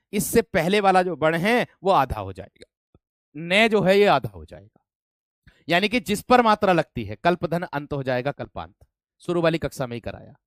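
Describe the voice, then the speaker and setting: A man's voice: a little high, a bit bright, no room sound, studio quality. Teacher man calling students "my brave one". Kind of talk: online class lesson.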